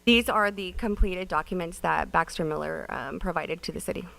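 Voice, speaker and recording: A woman's voice: on the low side, moderate pace, gravelly, fairly bright tone, a little hiss or hum, poor audio. A woman answering questions as a staff member at a public meeting, practical and matter-of-fact. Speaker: city staff member presenting a project.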